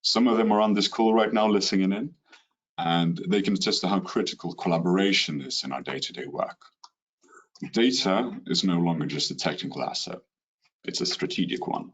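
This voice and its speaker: A man's voice: sits low, a little fast. A man with a Swedish accent from Sweden gives a rehearsed business webinar presentation over a call, dropping in the odd "you know". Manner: steady, rehearsed delivery with occasional "you know" fillers. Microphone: computer mic on a video call.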